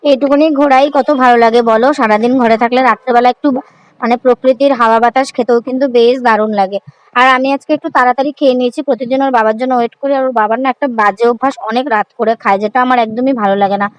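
Her voice is on the high side and smooth, with fairly even intonation, and she races through her words. This thirties vlogger and mom chats about the ordinary details of her day, first at home and then outside on a night street, in a noisy phone recording full of street noise.

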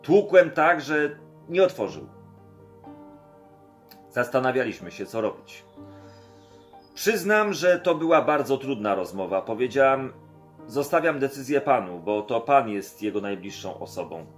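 A man's voice: mid-range voice, very animated, measured pace, long pauses, soft background music. A man reading an audiobook chapter aloud, voicing the quoted dialogue expressively in his own voice. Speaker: audiobook narrator. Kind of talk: scripted audiobook narration.

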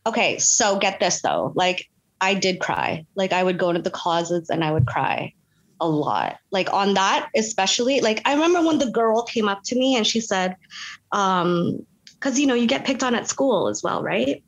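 This Canadian actress, appearing as a guest in a relaxed interview, has a mid-range voice and a moderate pace. Her storytelling is animated, peppered with "like," and she mimics voices when quoting others.

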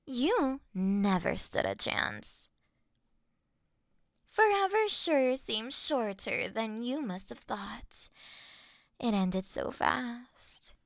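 A woman playing a gloating, scornful female hero in an audio roleplay, mocking and deliberate, sometimes breathy. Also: medium pitch, a bit bright, no echo, studio quality, full character voice. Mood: cold disdain. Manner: mocking, slow, deliberate, breaking into whispers. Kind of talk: dramatic scripted audio roleplay monologue.

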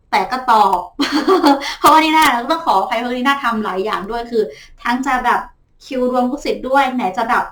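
A woman's voice: a little high, a bit bright, recorded from a distance. Chatty tarot reader woman, echoey room. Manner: chatty and frank, with many polite particles. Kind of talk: casual talk to viewers while drawing cards.

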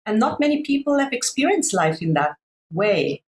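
A middle-aged woman from Sri Lanka, a coach speaking on a video call from home, thoughtful and searching for her words with many pauses and fillers. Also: on the high side, big pitch swings. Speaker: master coach, panel guest. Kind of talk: reflective panel discussion. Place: room at home.

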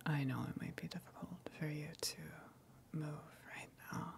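A woman voicing a gentle, shy, affectionate tentacle monster in an ASMR roleplay, in a breathy whisper with a hesitant, apologetic manner. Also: sits low. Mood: affectionate, sheepish. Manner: hesitant, apologetic, soft giggles between halting phrases.

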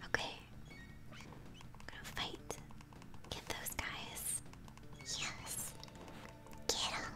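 A young woman streams a game in a soft ASMR whisper. Her delivery is unhurried and encouraging as she chats to viewers. Video game music plays behind her. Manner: encouraging, chatty, addressing viewers. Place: indoor room at home.

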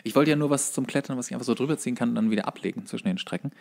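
Male co-host, medium pitch, colloquial and wry, easygoing comedic banter. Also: very fast, vocal fry, a little mellow. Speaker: podcast co-host.

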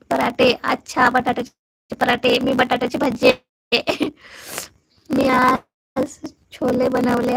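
A woman's voice: high voice, a bit bright, rough recording. A young woman with a Marathi accent hosting a casual phone live stream, chatting with viewers and asking whether her audio comes through.

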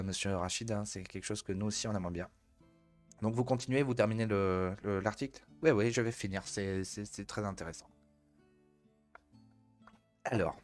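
A man reading an article aloud as host, breaking off to joke at the guest. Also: on the low side.

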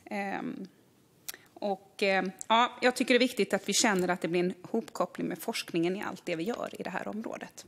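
A woman's voice: mid-range voice, gravelly. A middle-aged woman member of parliament making an earnest closing debate speech, posing questions and hesitating now and then, at a podium microphone in a parliament chamber.

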